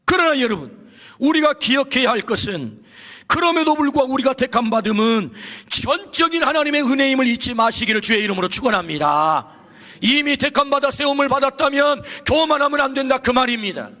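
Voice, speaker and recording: A pastor in his fifties preaching a sermon in a church, telling stories with swings from soft to shouting. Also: very high-pitched, lively intonation, brisk. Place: church sanctuary. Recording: long reverb of a church hall.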